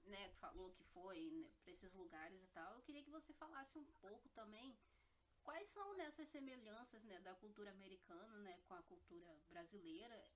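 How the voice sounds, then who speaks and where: Lively playful Brazilian woman host. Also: medium pitch, normal speed, a little hiss or hum. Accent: Brazilian Portuguese. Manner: playful, teasing interjections. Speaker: podcast host. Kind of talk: casual interview chat.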